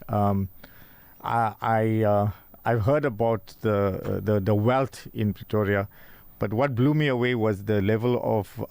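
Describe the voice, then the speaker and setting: A South African man hosts a radio interview in a studio, his voice on the low side and a little mellow with no echo. He talks casually, full of fillers and restarts.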